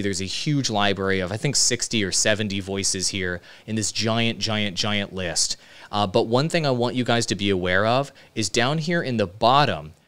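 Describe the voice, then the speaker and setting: A man's voice: on the low side, a bit bright, smooth. A man, giving casual, emphatic step-by-step instruction as a tutorial host, checking in with listeners. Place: indoor studio with computer.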